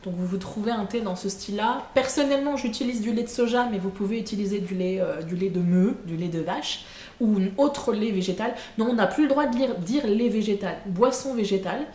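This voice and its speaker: A woman's voice: medium pitch, fairly quick, a little mellow. A woman chatting casually in a vlog recorded at home on camera, hesitant, with lots of fillers and self-corrections. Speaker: vlogger. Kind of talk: casual monthly vlog chat. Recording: echoey room with faint background hum.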